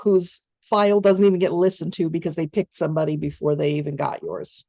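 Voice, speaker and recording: Female voice-over coach, low mellow gravelly tone, dry close mic, conversational teaching. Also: fairly quick, no room sound. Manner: instructive, conversational, steady explanations with fillers. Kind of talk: online training webinar.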